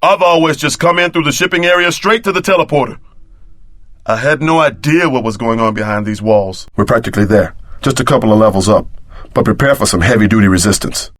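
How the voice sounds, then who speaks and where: An actor voicing a tough, brash ex-security chief with streetwise swagger and a gruff voice in a video game. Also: male voice, fairly low pitch, fairly quick, a bit bright, dry recording, clean studio sound, natural voice. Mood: wary.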